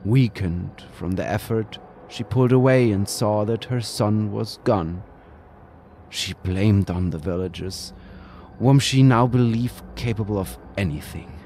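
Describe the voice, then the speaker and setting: A man reads a horror story aloud in a slow, brooding manner, sometimes sinking into a whisper. His voice sits fairly low with a gravelly texture, and his pacing is very unhurried. Faint music plays beneath him. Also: mellow, a little hiss or hum. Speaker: narrator. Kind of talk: dramatic scripted horror narration.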